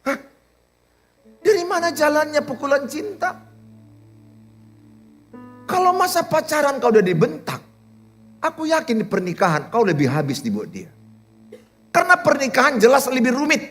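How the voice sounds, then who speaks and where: A man preaching a sermon as pastor, in an animated, teasing and humorous way. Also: very high voice, moderate pace, pauses often, soft background music. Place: church.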